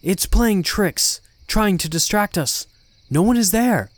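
A stern exorcist priest played by a male narrator, urgent and commanding in warning. The voice is raised well above a talking pitch, in a very dry horror audiobook recording. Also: animated, slow, dry recording.

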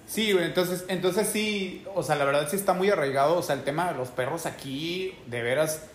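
A man's voice: fairly high pitch, brisk, reverberant, a little hiss or hum. A man from Oaxaca with a Mexican Spanish accent, chatting casually on a podcast in a slangy way. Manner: slangy, peppers talk with "güey". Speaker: podcast host.

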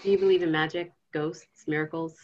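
An actress playing a young woman in grad school who interviews and gently teases the man she loves. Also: sits low, brisk, dull audio, natural voice. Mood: probing. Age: young adult. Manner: lively, probing, gently mocking.

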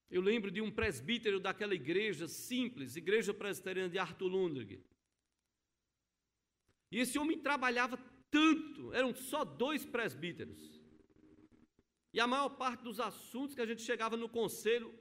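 A middle-aged man preaches a sermon in a church. His voice sits high and leaps around with lively, expressive swings. He tells stories with emphasis and acts out the people he quotes. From Brazil. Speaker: pastor. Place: church sanctuary.

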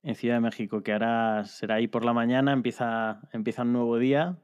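A man's voice: medium pitch, flat delivery, quick pace, darkish tone, clear, resonant tone. A man hosting a podcast interview, giving short friendly prompts. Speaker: podcast host. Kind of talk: conversational interview.

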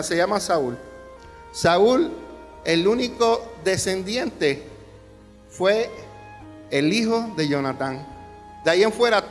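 A man delivers a sermon from the pulpit, his voice notably high for a man. He leans into emphatic phrases and poses questions to the congregation. The sound rings with a long reverb in a large hall, and soft music plays faintly behind him. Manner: preaching with rising emphasis and rhetorical questions to the congregation. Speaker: pastor. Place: church hall.

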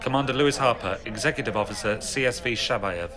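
A man acting a fleet officer announcing names in a sci-fi audio drama. His mid-pitched voice is formal and procedural, with clear crowd murmur behind. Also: fast, natural voice. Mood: official, neutral. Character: formal male officer announcing each speaker like a clerk.

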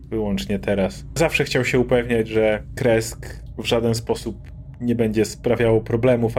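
A man voicing a grieving, wary middle-aged mayor who talks softly and hesitantly. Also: on the low side, a little hiss or hum, natural voice.

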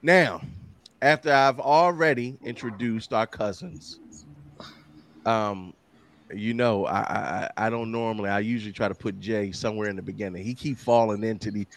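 A man's voice: on the low side, moderate pace. A man hosting a podcast, introducing guests with loose, profane banter. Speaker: podcast host. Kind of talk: casual podcast chat.

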